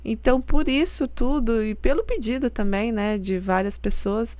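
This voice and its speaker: A woman's voice: a little high, moderate pace, no echo. A middle-aged woman, a university rector answering interview questions earnestly and explaining at length. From Santa Catarina, Brazil. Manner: earnest and explanatory, with soft laughs. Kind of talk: casual interview talk.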